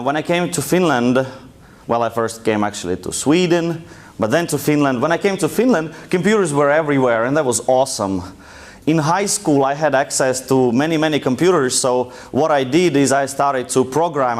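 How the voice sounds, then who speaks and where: A young man from Russia with a thick Russian accent, giving a joking, loosely told presentation to an audience in a lecture room. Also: medium pitch. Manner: casual, joking, loose storytelling. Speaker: conference speaker. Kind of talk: live presentation talk.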